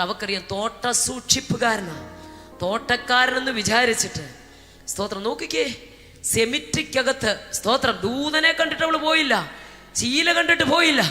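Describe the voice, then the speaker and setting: A woman from Kerala preaching a Pentecostal sermon, moving between shouted speaking in tongues and soft storytelling, with praise words dropped between her phrases. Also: fairly high pitch. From Kerala, India. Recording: reverberant hall with music behind.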